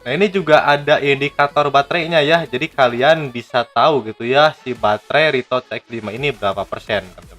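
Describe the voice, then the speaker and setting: A man's voice: mid-range voice, a little fast, few pauses, a bit bright, faint music behind. Casual man reviewing gadgets. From Indonesia. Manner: chatty, addresses viewers as friends. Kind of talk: casual product review, hands-on demonstration.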